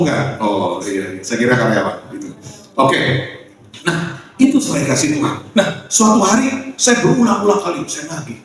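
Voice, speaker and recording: Male preacher, chatty storyteller with jokes, heard from afar in a boomy hall. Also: slight background noise. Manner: chatty, joking, lively storytelling with asides to the congregation. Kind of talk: sermon with personal stories. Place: church sanctuary. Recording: very echoey church hall, voice from far off.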